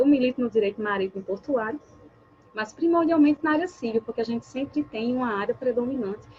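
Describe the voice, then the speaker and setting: Talking at a very fast pace, a woman with a northeastern Brazilian accent uses a high pitch with ordinary variation. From Brazil, Northeast (Rio Grande do Norte). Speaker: lawyer. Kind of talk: webinar talk.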